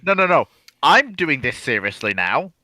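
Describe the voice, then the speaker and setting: A man's voice: on the high side, sing-song, moderate pace, pushed and bright. A man chatting casually as a panelist on a live stream, bantering with the others.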